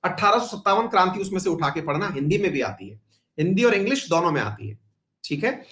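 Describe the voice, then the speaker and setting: Here a man teaches history online for exam prep in a high, fairly bright, sing-song voice at a brisk clip. His manner is chatty: he asks students questions, drifts off on tangents, and sprinkles in English terms.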